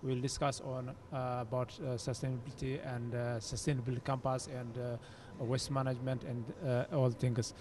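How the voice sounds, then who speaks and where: A man's voice: mid-range voice, little pitch movement, moderate pace, hardly any pauses, a little mellow, slight background noise. A young man from Eritrea, opening a student panel as host with many fillers and restarts. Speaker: forum host. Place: university forum room.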